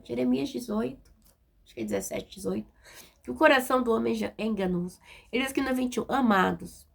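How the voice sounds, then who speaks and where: A woman's voice: fairly high pitch, gravelly. A woman with a Brazilian Portuguese accent preaching a conversational sermon, direct and informal, often checking in with tag questions.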